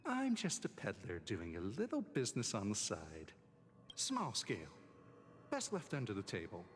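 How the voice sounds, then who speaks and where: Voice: medium pitch, huge pitch swings, normal speed. An actor playing a chummy, falsely humble black-market peddler in a video game, wheedling along. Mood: sly, friendly. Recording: reverberant, music underneath.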